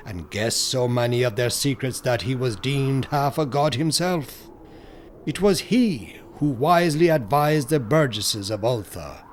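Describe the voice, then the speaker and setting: A man reading a scripted horror audiobook in a solemn, measured storytelling manner, with dramatic pauses and phrases that fall away at the end. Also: mid-range voice, slight background noise.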